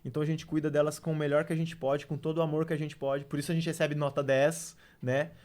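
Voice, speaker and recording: Earnest, higher-voiced missionary man. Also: level tone, fast, darkish tone. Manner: earnest, testimony-style storytelling with frequent "né" and "cara"; emphatic, preacher-like when making his point. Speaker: missionary guest. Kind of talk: casual podcast conversation.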